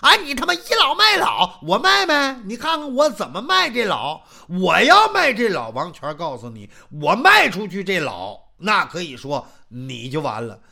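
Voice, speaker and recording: A bold, boastful Taoist doctor in his nineties, as a male storyteller puts him on, proud of his skill and defiant toward threats. The voice sits high and swings lively, with a bright edge. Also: moderate pace, vocal fry, few pauses, heavily acted. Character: feisty 94-year-old male Taoist doctor.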